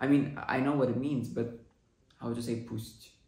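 A man with a Russian accent, monotone and flat in intonation, at a moderate pace with audible room echo. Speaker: YouTuber doing language app challenge. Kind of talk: casual video commentary. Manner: halting. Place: home room.

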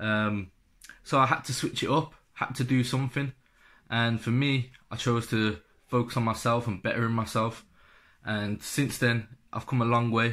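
Against a quiet background, someone with a British accent speaks at a moderate pace. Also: man. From UK. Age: 20s. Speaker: vlogger. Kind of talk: casual vlog monologue. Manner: animated. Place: home room. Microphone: phone near.

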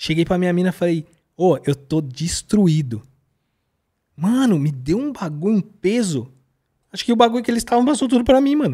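Over a quiet background, a high-pitched man with a dark, mellow tone talks at a fairly quick pace, swinging very widely in pitch and leaving long, frequent pauses. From Brazil, Jundiaí (São Paulo state); São Paulo state, Brazil. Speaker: vlogger. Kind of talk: casual chat. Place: studio. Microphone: studio mic.

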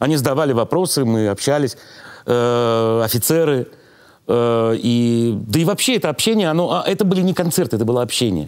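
At a moderate pace, a man speaks with lively intonation and very even loudness over a quiet background. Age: 60s. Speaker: jazz pianist; guest. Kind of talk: interview. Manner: halting, with filler sounds. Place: studio. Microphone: lapel.

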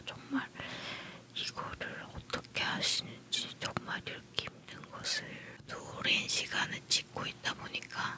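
Whispering in a calm tone, a woman speaks at a very slow pace. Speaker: ASMR YouTuber / beauty content creator. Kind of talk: ASMR whispering product introduction to camera. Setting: close microphone, studio/home recording. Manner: soft, whispery, calm. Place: home room. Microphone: studio mic.

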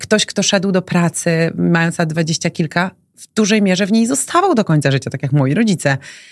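A woman speaks at a fairly quick pace in a fairly low pitch, with ordinary pitch variation. Her loudness swings widely against a quiet background. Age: 40s. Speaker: coach. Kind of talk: casual chat. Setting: studio. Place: studio. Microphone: studio mic.

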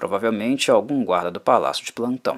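In a very clean recording with a silent background, the delivery carries a solemn, dramatic tone. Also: man. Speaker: channel host reading a literary horror tale. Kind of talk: audiobook-style reading aloud of a Japanese ghost story. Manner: measured, solemn storyteller's pace, dramatic and eerie.

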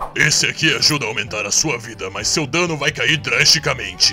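A man does a put-on character voice, pitched fairly high and moving at a fairly quick pace. Clear music plays in the background.

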